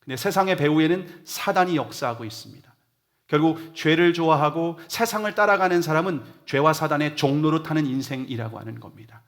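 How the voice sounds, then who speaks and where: A middle-aged male pastor giving a Sunday sermon in a church, telling a personal testimony earnestly and moving between loud emphasis and hushed near-whispers. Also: on the high side, a little fast. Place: church sanctuary.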